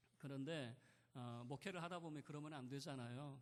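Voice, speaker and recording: Audible room echo accompanies speech at a moderate pace with fairly even intonation. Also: man. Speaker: pastor. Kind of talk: sermon. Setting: church. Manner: loud and forceful when preaching.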